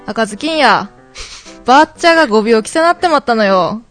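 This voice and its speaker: A woman's voice: fairly high pitch, lively intonation, a little fast, fairly bright tone, faint music behind. A woman voicing a fussing mother who warns her daughter in a thick Tsugaru dialect, in a storybook reading. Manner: heavy dialect, motherly warnings.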